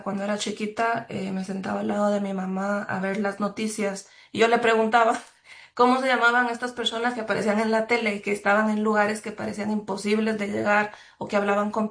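A woman's voice: mid-range voice, gravelly. Woman journalist from Ecuador, thoughtful interview answers, recorded in a roomy space. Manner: thoughtful, measured, with frequent fillers and restarts. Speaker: journalist guest. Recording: roomy echo.

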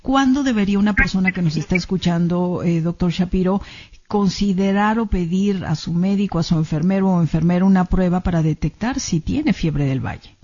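Radio host guy, pretty high voice, steers the questions smoothly, muffled lo-fi audio. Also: brisk, a little mellow. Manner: smooth, guiding questions to the guest. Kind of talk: hosting a health call-in show. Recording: dull lo-fi radio sound.

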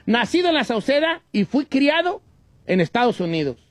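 A man's voice: very high voice, very animated, moderate pace, no echo. A man voicing a folksy old Mexican ranchero with a Mexican accent, rambling and joking through comic radio news, stumbling over words. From Michoacán, Mexico. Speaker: co-host presenting comic news.

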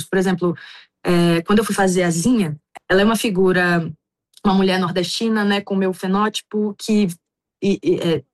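Young actress from bahia in an interview, thinks out loud, lots of restarts. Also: female voice, medium pitch. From Bahia, Brazil. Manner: reflective, many restarts and fillers. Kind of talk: casual interview answers.

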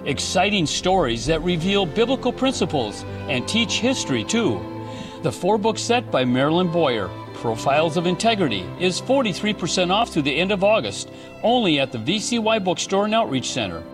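A man's voice: high voice, big pitch swings, moderate pace, over music. A man reading a scripted radio advertisement in an upbeat, promotional way. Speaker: ad announcer.

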